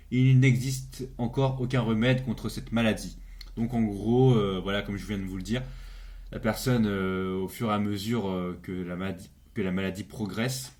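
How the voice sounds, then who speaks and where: Hesitant young man, lowish voice. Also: darkish tone. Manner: hesitant, many fillers and restarts. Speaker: video creator reviewing a series. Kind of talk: casual spoken review.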